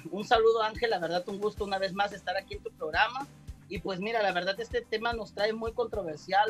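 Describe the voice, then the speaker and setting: A man speaking as a psychic guest on a video call, rambling and repeating his words. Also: high voice. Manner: rambling, repeats words, says "directamente" often.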